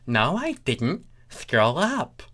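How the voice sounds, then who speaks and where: A woman's voice: rumbling low, wildly swooping pitch, very slow, a bit bright, full character voice. A woman voicing an earnest, exasperated male insect-like creature who pleads emphatically in a comic story reading. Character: earnest male changeling, peace-making, exasperated debater.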